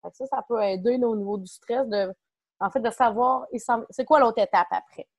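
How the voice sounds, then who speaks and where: A woman's voice: on the high side, brisk, no echo. A woman with a Québécois French accent giving a casual online workshop as a farm support worker, chatty and informal with many fillers.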